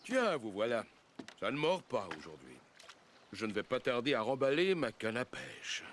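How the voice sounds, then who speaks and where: A man's voice: mid-range voice, sing-song, moderate pace, a bit bright, a little hiss or hum. A man voicing a kindly, easygoing old grandfather in a French children's cartoon dub. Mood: genial. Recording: music under the voice.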